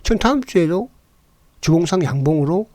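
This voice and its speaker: A man with a fairly high voice gives casual stock commentary, his pitch leaping up and down as he talks. He keeps asking his viewers to agree and drops in blunt slang. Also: lively intonation, moderate pace, darkish tone.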